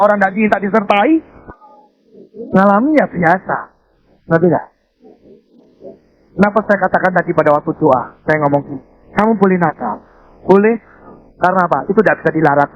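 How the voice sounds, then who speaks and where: High-voiced animated Indonesian pastor preaching. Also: male voice. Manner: animated storytelling preacher, acts out quoted speech. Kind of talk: sermon. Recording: dull lo-fi sermon audio.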